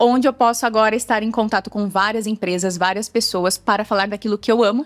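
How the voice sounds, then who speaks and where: A woman with a São Paulo accent talks at a fairly quick pace in a very clean recording with a silent background. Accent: Campinas. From Brazil, São Paulo. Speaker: leadership and behavior consultant. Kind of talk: podcast interview.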